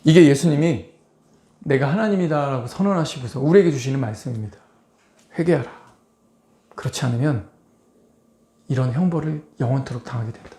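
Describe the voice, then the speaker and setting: Animated Korean pastor preaching in an echoey hall. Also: male voice, brisk, pauses often. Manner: animated, acts out scenes in high put-on voices. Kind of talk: sermon.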